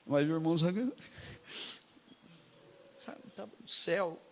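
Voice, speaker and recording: A man preaching a sermon, telling stories and acting out the voices of the people in them, often dropping to a soft, low voice. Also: a little slow, in a large hall, slight background noise. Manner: storytelling, acts out quoted voices, often drops to a soft low voice.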